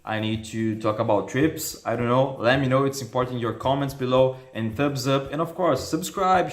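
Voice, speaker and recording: Brazilian-accented man, friendly chatty explainer. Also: medium pitch. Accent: Brazilian Portuguese. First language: Portuguese. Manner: friendly, chatty, laughs often, acts out dialogue. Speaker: YouTube host. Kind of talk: casual history explainer. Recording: echoey room with faint music.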